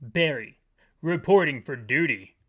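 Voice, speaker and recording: A game player doing a low, dutiful action hero. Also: lively intonation, a little slow, a bit bright, breathy edge. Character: dutiful male action-hero agent reporting in.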